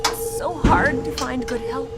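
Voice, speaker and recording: A woman's voice: high voice, unhurried, loud music behind the voice. A woman playing a haughty, exasperated villainess in a comedic audio drama, imperious and melodramatic. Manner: imperious, theatrical.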